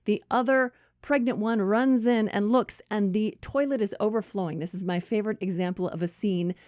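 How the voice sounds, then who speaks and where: A woman teaches screenwriting in a relaxed, explanatory way, counting off her points one by one. Her voice is mellow and dark, with a conversational flow. The recording is dry and close, with no room sound. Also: mid-range voice, normal speed, dry recording. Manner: explanatory, listing points, casual. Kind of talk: instructional talk.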